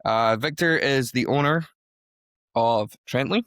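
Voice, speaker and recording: A man's voice: mid-range voice, unhurried, a bit bright, no room sound, clean studio sound. A man hosting a podcast interview, talking in an upbeat, enthusiastic, chatty way. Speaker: podcast host.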